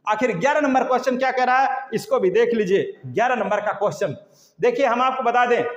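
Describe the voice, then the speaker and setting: High-voiced man teaching in an echoey room. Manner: repetitive, drilling questions, says "guys" often. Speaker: biology teacher. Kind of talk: exam-prep lecture. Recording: echoey room with long reverb.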